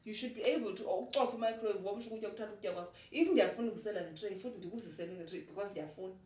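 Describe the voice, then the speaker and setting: A woman's voice: mid-range voice, rapid-fire, a little mellow. A woman in her forties with a South African Xhosa accent, a podcast guest talking animatedly and switching between Xhosa and English. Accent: South African, Xhosa-speaking. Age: 40s. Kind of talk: casual conversational interview. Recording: echoey room, mic at a distance.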